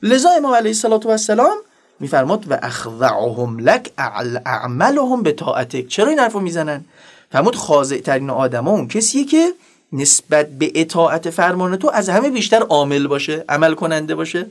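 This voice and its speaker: A male preacher giving a sermon, formal and earnest, moving between strong emphasis and soft, quiet asides. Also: on the high side, big pitch swings.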